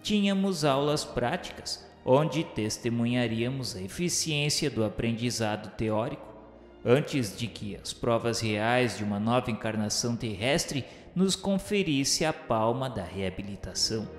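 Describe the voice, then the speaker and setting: Male narrator, medium pitch, devout and measured radio drama reading, heavy hall echo over music. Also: expressive. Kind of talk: solemn scripted literary narration. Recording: echoey hall-like reverb with music.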